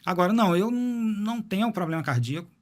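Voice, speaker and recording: A cardiologist guest explains heart health in a medical interview, speaking fast and expressively in a high voice. He often repeats words as he thinks.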